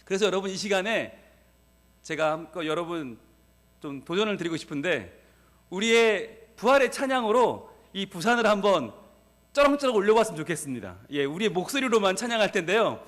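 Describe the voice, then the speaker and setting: A male pastor with a Gyeongsang Korean accent, preaching an energetic sermon and leading his congregation in call-and-response. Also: sits high, a little fast, long reverb tail.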